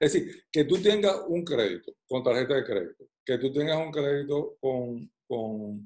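With lively intonation, a man with a fairly high pitch talks in an ordinary speaking voice. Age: 50s. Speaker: professor and podcast co-host. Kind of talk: casual chat.

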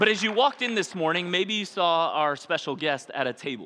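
Bright, sharp, animated delivery with lively intonation at a moderate pace, on a very clean recording with a silent background. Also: man. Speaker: pastor. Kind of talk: sermon.

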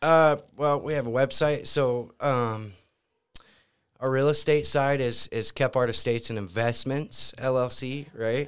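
In a very clean recording with a silent background, a man with an American accent and a plain, everyday voice speaks fairly slowly at a medium pitch with fairly even intonation. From California. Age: 30s. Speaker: real estate investor, contractor. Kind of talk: casual interview.

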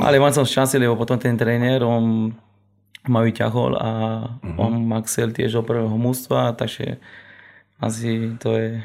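Flat and monotone, a man at medium pitch speaks at a moderate pace with long, frequent pauses. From Argentina, Buenos Aires. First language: Spanish (speaking Slovak). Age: 30s. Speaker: footballer. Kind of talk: interview. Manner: halting.

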